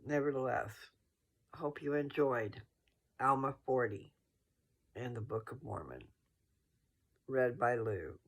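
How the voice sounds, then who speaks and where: A man with a noticeably gravelly, fry-laden voice at an average pitch. He sounds sleepy as he hosts a casual scripture chat. His delivery is homespun and meandering, and he backs up to correct himself as he goes. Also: expressive, takes it slowly, pauses often. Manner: folksy, rambling, self-correcting. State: sleepy, yawning. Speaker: host reading and discussing scripture. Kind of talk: casual rambling religious commentary to followers.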